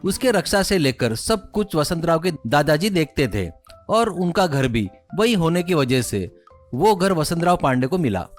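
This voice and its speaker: An Indian man reads a scripted cartoon moral story. His voice sits fairly high and moves animatedly up and down. Faint music plays behind him. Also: big pitch swings, measured pace. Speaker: story narrator.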